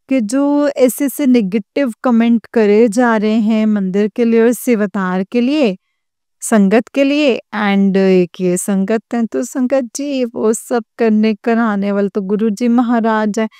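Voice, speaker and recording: A young woman speaks in a mellow, smooth voice that sits a little high. She is sharing a personal testimony with a congregation and earnestly keeps addressing her listeners. The recording is dry and close. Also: dry recording. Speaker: devotee sharing experience.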